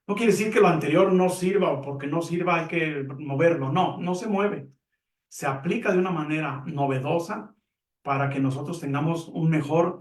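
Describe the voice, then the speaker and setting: A man giving a calm, measured religious lesson, explaining with simple examples. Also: on the high side. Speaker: Catholic teacher on a program. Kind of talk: reflective religious teaching. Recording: echoey room, mic at a distance.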